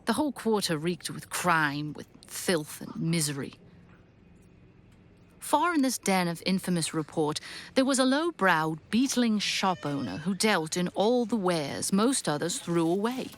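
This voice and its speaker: A woman narrating a Victorian audio drama in measured, deliberate, weighty phrases. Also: fairly low pitch, big pitch swings, slight background noise. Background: soft ambient soundscape.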